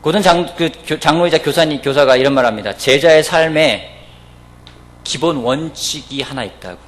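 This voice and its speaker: A man preaching a weekday church sermon, telling stories and acting out the people he quotes. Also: a little hiss or hum. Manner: storytelling, acting out quoted voices, lively pitch. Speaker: pastor. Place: church service.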